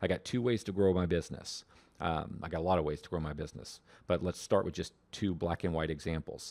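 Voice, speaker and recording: Very deep and low, this man's voice has a dark, mellow tone and moves at a fairly quick pace. The recording is very clean, the background silent. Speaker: business coach. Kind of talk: lecture. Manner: fast.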